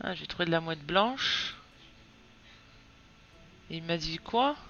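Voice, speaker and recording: A woman's voice: low-pitched, expressive, takes it slowly, pushed and bright, dull audio. A woman streaming a game with casual commentary, soothing a crying child between remarks.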